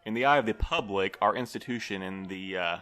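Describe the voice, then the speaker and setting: A man's voice: on the low side, brisk, sharp tone, clean tone. A man playing a flustered, wordy office manager in an audio drama, formal and bureaucratic in manner. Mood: worried, explanatory.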